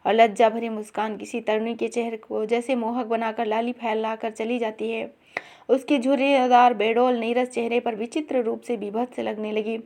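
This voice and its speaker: A woman narrating a literary short story aloud in a measured, expressive reading. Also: fairly high pitch. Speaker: story reader.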